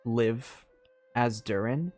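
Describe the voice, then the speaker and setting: A game streamer giving casual commentary, halting and repeating words while thinking aloud. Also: medium pitch, darkish tone.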